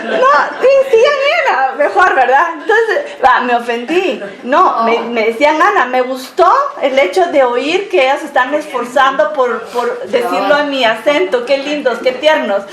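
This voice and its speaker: Chatty high-voiced woman teaching Bible study. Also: moderate pace, hardly any pauses. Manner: lively, laughing, chatty with many fillers. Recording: echoey room recording.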